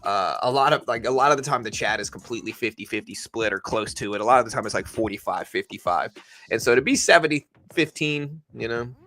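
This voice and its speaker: A man's voice: medium pitch, fast talker, bright, forceful tone, faint music behind. A man hosting a livestream, casually commenting on the stock market and explaining things conversationally as he answers viewers. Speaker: livestream host.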